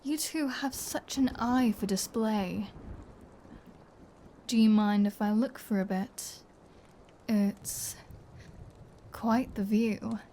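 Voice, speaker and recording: A woman playing a flirty, taunting vampire in an ASMR audio roleplay, smug and playful, dropping into breathy whispers. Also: a little high, slow, long pauses, mellow, a little hiss or hum. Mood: smooth, appreciative.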